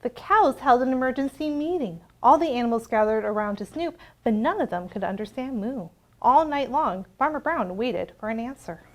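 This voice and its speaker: Higher-pitched woman reading a children's story aloud. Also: animated, moderate pace, hardly any pauses. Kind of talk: expressive picture-book read-aloud for children.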